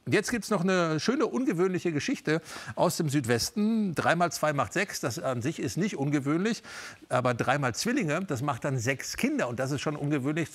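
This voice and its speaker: A man hosting a TV magazine show, joking with a guest and presenting briskly. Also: on the high side. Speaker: TV show host. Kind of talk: studio chat and presenting.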